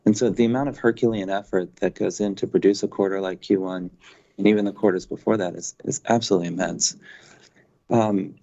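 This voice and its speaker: Male executive, lowish gravelly voice, corporate explanatory briefing delivery, dull conference-call sound. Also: fairly even intonation, brisk, warm tone. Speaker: company executive on an earnings call. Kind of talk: business briefing, answering analyst questions.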